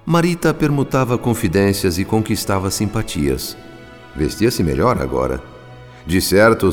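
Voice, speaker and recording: A man's voice: fairly low pitch, big-room sound. A male narrator reading a radio drama in a dramatic, lyrical manner.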